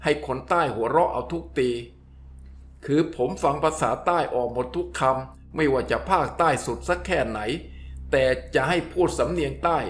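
A man reading a scripted story in a steady, descriptive way, as the storyteller. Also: a little high, normal speed.

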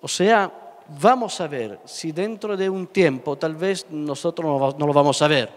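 A middle-aged Sicilian man whose first language is Italian, speaking with an Italian accent on a stage panel into a handheld mic. He talks with passion and emphasis, halting on fillers and repeated words. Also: a little high. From Sicily, Italy. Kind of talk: public panel talk. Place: large indoor hall, panel on stage. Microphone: handheld microphone. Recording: reverberant hall.

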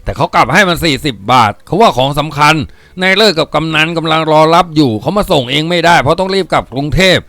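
A man reading aloud as a talkative hired boatman who rambles on and explains himself at length. His voice is lifted higher than a plain reading voice, and it sounds close and dry in a storybook telling. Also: lively intonation, fast, few pauses, bright, forceful tone, no echo. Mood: defensive. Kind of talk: audiobook character reading.

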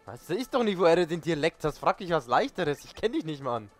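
A man hosting a let's play in casual gaming commentary, whining and swearing at a level he can't beat. His voice sits a little high and swings widely in pitch. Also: a little fast, soft background music. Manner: whiny, swearing, animated.

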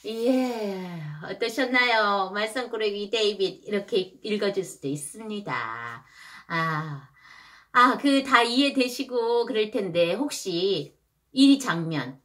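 A woman's voice: medium pitch, animated, slow, fairly bright tone. A woman in her thirties, a mother, casually explaining picture-book reading to other parents with chatty asides and rhetorical questions.

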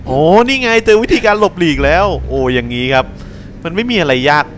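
Joking, lively young Thai gamer man. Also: fairly high pitch, fairly quick, a little hiss or hum. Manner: crude, joking, talks to the game. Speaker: gameplay commentator. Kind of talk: casual horror game commentary.

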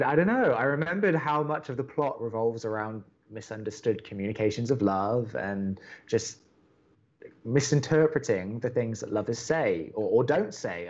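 A man plays an earnest young college radio co-host in an audio romantic comedy. His pitch moves around a lot as he hesitates and stammers reassurances. The sound is slightly dull. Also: darkish tone, lightly acted. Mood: awkward, encouraging. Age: young adult. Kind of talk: naturalistic romantic comedy podcast acting.

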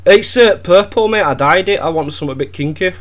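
Speaking quickly in a high voice, this gaming video creator from Wales, a young man, winds up an opponent in voice chat. His teasing is deadpan and sarcastic, delivered with put-on innocence.

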